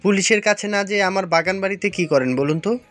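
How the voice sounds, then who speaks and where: A man voicing a possessive, scheming young fiancé who makes forceful demands in an audio story. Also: sits high, quick pace, faint music behind. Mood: demanding.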